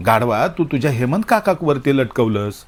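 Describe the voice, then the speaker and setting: A man voicing a flustered middle-aged village aunt who speaks with a Malvani accent and scolds in a shrill, alarmed way. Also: big pitch swings, normal speed, natural voice. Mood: scolding.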